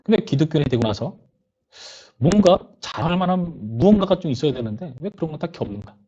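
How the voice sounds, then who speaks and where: A man's voice: on the high side, big pitch swings, quick pace, mellow, husky, dull audio. A young man, a youth pastor, giving a conversational sermon to teenagers and voicing their complaints and questions. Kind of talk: sermon to teenagers over video call.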